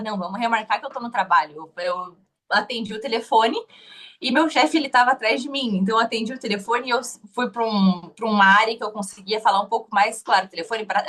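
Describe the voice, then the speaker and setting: A woman's voice: a little high, quick pace, fairly bright tone. A young woman with a Curitiba Brazilian Portuguese accent, telling her interview story casually, hesitant with many restarts.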